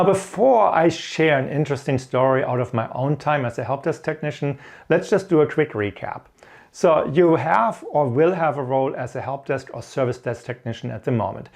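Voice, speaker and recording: A man's voice: medium pitch, a little mellow. A middle-aged man from Germany with a German accent gives encouraging, explanatory career advice and tells stories from experience. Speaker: host of an IT career advice channel. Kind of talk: instructional talk with personal stories.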